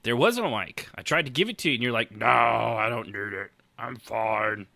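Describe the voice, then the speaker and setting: A man's voice: mid-range voice, lively intonation, normal speed, gravelly, bright, forceful tone. A man hosting a live podcast in a casual, rambling, joking and teasing way. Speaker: podcast host.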